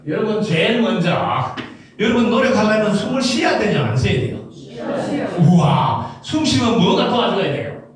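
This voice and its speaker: A man giving a motivational lecture, animated and quizzing the audience with questions. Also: high-pitched, moderate pace, crowd noise. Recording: echoey hall, distant mic.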